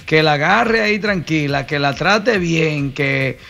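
A man's voice: on the high side, lively intonation, a little slow, vocal fry, bright, forceful tone. A man giving legal advice on a live radio show in a joking, slangy, teasing way. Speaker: lawyer on radio.

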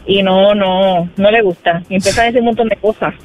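Very high-voiced caller on tinny phone line. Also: male voice, fairly even intonation, brisk, faint music behind. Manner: frank, tired, keeps it brief. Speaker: caller, call center worker. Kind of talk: phone call-in complaint.

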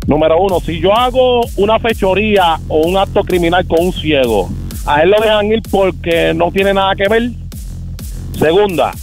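A man's voice: sits high, animated, normal speed, soft background music. A man with a Puerto Rican accent calling into a radio show to tell teasing riddles. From Puerto Rico. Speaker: caller. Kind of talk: joking call-in.

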